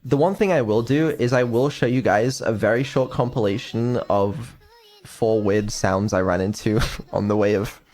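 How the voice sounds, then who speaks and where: A man's voice: lowish voice, darkish tone. A man giving a casual live stream update as a developer, rambling and hesitant with many ums and offhand swearing.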